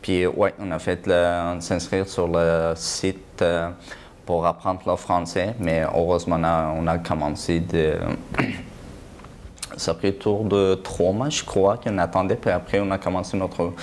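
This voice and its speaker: Halting man with a deep voice. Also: level tone, darkish tone, a little hiss or hum. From Afghanistan. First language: Dari. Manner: halting, searching for words, laughs often. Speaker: guest. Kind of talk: casual interview.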